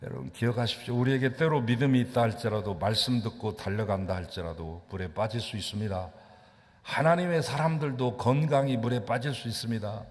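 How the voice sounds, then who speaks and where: Man, pastor, dramatic sermon, sweeping pitch leaps, echoing sanctuary. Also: fairly quick. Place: church sanctuary. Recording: long church reverb.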